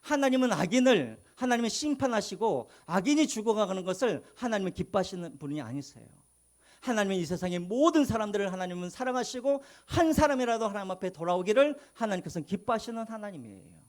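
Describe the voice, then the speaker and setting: Guy pastor giving a sermon, high voice, swoops all over, asks the church questions then answers himself. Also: animated, fast talker, a little mellow.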